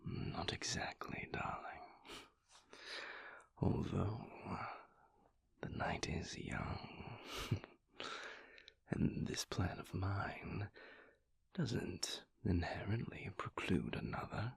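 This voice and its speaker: A man acts out a refined, seductive vampire lover for an intimate romantic audio roleplay. The voice is very low and mostly whispered, with a heavy gravelly creak. He speaks in a languid, weary way, lingering on formal phrases and leaving long pauses. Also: big pitch swings, full character voice. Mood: teasing, seductive.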